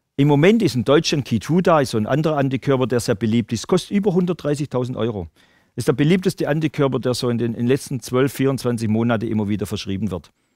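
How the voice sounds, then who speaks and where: Speaking very fast with lively intonation, a man uses a medium pitch and a Swabian accent. The sound is dry with no echo, over a quiet background. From Swabia, southwestern Germany. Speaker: cancer researcher and speaker; lecturer. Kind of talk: public lecture. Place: stage.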